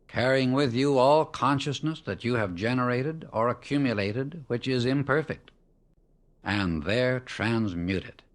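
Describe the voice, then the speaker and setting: A man narrating a scripted spiritual discourse as an audiobook, solemn and measured, setting out short phrases with emphasis. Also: on the low side. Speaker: audiobook reader.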